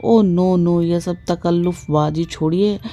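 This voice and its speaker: A woman voicing a tall, hearty male doctor who talks in a booming, breezy, familiar way, read from a storybook. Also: fairly even intonation, a little slow, dark tone, faint music behind, close to an everyday voice. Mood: jovial.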